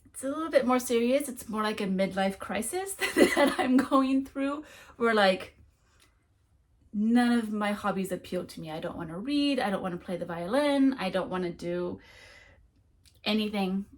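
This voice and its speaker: A woman's voice: medium pitch, lively intonation, moderate pace. A woman who is a French speaker, chatting casually through a monthly reading wrap-up, rambling with frequent ums and restarts. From United States. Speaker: book vlogger.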